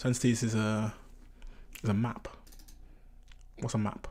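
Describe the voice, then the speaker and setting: A man speaks in a somewhat breathy voice. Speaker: programmer live-streaming game development. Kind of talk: live coding stream. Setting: live stream.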